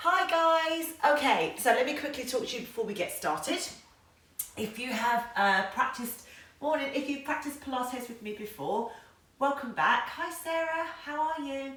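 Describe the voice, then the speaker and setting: A woman's high-pitched voice with lively intonation, plus noticeable background noise and audible room echo. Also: moderate pace. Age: 50s. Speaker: fitness instructor. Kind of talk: live fitness class instruction. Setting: live-streamed class, no microphone. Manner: loud. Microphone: no microphone used.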